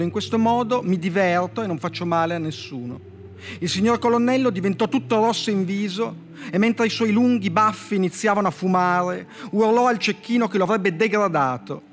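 A man with a Turin accent, a poet guest on a radio show, reading his short comic fables in a dry, deadpan way with slow pauses before the punchlines. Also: high voice. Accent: Italian, from Turin. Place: radio studio. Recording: music bed playing faintly behind.

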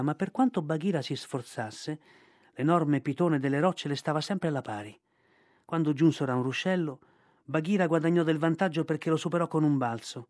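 Man, audiobook narration, measured, expressive, dry. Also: on the high side, no room sound. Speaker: audiobook reader. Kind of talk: literary reading aloud.

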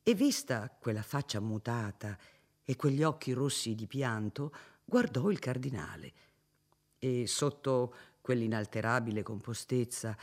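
A man narrating an audiobook of a classic novel in a measured, expressive reading. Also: mid-range voice.

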